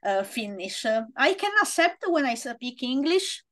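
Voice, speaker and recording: A woman with an Italian accent talks through a laptop webcam on a video call, her voice sitting a little high for a woman. She searches for words, filling the gaps with hesitant pauses as she hosts a relaxed chat from her bedroom. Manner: hesitant, many fillers. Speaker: podcast host. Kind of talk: casual video-call interview. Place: home bedroom.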